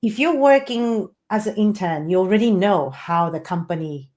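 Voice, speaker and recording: A woman's voice: mid-range voice, expressive, normal speed, darkish tone. Chatty Japanese woman speaking English. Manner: chatty, many "you know" fillers, laughs often. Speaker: interview guest. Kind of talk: casual interview conversation.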